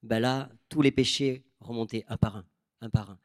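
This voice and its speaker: A young preacher from southern France speaks with a noticeable southern French accent, telling his story in an animated way and slipping into other people's voices when he quotes them. His voice sits at a middle pitch and sounds dry and close, with little room sound. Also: normal speed, no echo. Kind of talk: sermon.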